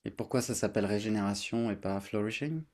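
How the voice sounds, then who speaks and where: A man hosting a workshop, explaining things to a group spontaneously in a halting, searching way. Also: on the low side, darkish tone. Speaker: workshop host and facilitator. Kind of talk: spontaneous presentation to an online group.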